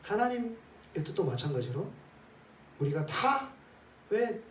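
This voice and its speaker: Preaching in a church sanctuary, a pastor with a high, sing-song voice takes his time, leading his congregation in reading scripture aloud. His points come laced with rhetorical questions and "eh?" tags. The roomy hall places him at some distance, with faint ambience and slight background noise.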